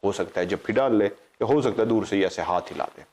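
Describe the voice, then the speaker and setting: A middle-aged man from Pakistan hosts a paranormal show, telling his story briskly and with animation in a fairly low voice. Slight background noise is audible, and he acts out dialogue, strays into digressions, and stops to correct himself.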